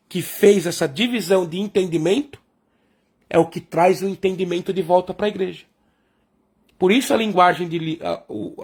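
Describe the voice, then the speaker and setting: This high, gravelly man's voice has a slightly rough texture. He is preaching a sermon, explaining his points by posing questions and answering them himself. He keeps addressing the congregation as brothers and sisters.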